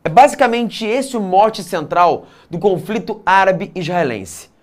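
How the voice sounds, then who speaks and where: A man teaches exam-prep geography in a high voice with lively intonation, speaking a little slowly. He alternates between clear explanation and casual asides, frequently tossing in tag questions.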